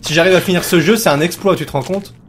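A man commentating a horror game as he plays it, jokey and excitable, talking to himself. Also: sits high, fast, slight background noise. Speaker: let's play host.

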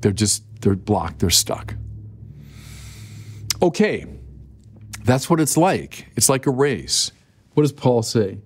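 An older man in his sixties preaching a sermon in a conversational, animated way, often appealing to listeners directly, recorded with a lapel mic in a dim studio. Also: mid-range voice, takes it slowly, long pauses, slightly rough. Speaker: bishop.

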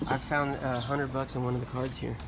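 A talkative man in his forties, mid-pitched and easygoing, thinking aloud as he looks over old finds. He is recorded outdoors on a phone camera. Steady street and background noise runs under his voice. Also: fairly quick. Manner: chatty, curious, appraising finds aloud. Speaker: storage locker reseller, channel host. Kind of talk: casual unboxing chat. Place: outdoors on a sunny trailer by storage units.

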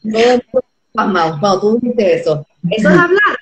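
A middle-aged woman hosting a live stream from her bedroom, chatting in a lively, animated way with her guests on a video call. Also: mid-range voice, fairly quick. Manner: lively, animated, laughs often. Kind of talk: casual live stream interview. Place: bedroom indoors. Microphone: phone at arm's length. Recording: roomy phone recording.

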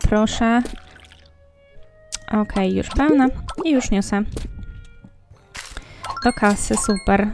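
A woman's voice: medium pitch, darkish tone. A young woman casually commenting on a game she plays, chatting to the characters and viewers as she goes. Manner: chatty, talks to the game characters while playing. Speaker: gaming vlogger. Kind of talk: casual let's-play commentary. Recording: faint game music behind.

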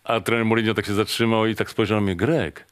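A middle-aged man from Poland tells story after story at a quick clip. He is a former footballer on a talk show, and he acts out the lines of the people in his stories. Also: fairly low pitch, clear, resonant tone. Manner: animated, acts out quotes of others in his stories. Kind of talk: anecdotal storytelling.

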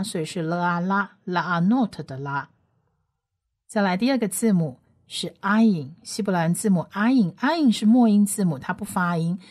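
A woman teaching biblical Hebrew on a radio lesson, patiently spelling out letters and repeating each sound slowly. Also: on the low side, darkish tone.

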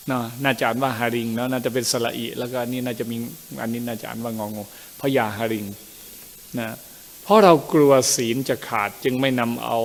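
A male Dharma teacher reads scripture aloud, sounding out the Pali words haltingly, correcting himself and adding chatty asides. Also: mid-range voice, vocal fry, long reverb tail, slight background noise. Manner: chatty asides ending in gentle particles. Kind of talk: reading scripture aloud with commentary.

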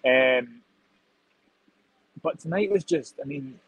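A man in his twenties, a football reporter at the stadium, joins a video call as a guest for live reaction analysis. He reflects on the match thoughtfully and ramblingly, restarting often, at a slow pace and medium pitch. The audio is poor, with slight background noise.

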